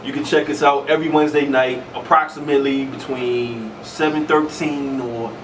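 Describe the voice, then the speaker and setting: A man's voice: mid-range voice, steady tone, moderate pace, distant mic, noisy background. A man hosting a casual radio show, talking in a slangy, laid-back way in a studio. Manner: slangy, laid-back, says "you know what I'm saying" often.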